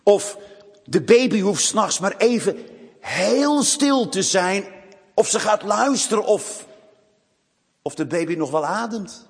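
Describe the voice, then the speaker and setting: A man's voice: sits high, animated, slow, pauses often. A man preaching a sermon who often repeats the first word of a phrase. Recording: long hall reverb.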